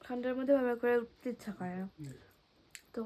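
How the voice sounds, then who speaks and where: A young woman with a Bengali accent chatting casually to her phone camera at home, keeping her voice low because her family is asleep. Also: fast talker, slight background noise. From India. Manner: speaks softly at night, half whispering. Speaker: vlogger. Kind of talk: casual vlog chat.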